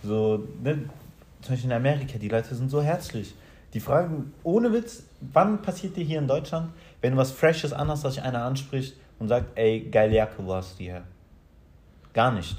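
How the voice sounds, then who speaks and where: A man's somewhat breathy, medium-pitched voice with lively intonation, a moderate pace and long, frequent pauses. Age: 20s. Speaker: podcast co-host, student. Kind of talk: casual chat.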